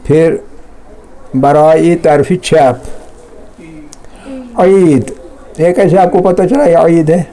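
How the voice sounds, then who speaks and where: A man teaches a language class. His voice sits a little high, and he repeats each word slowly, then asks students to say it back and corrects them. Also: mellow. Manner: drills words by slow repetition. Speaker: Persian teacher.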